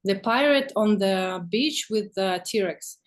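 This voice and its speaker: Halting woman, non-native English speaker. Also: medium pitch. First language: not English. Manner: halting, searching for words. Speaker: interview guest, visual artist. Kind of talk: casual interview chat about work.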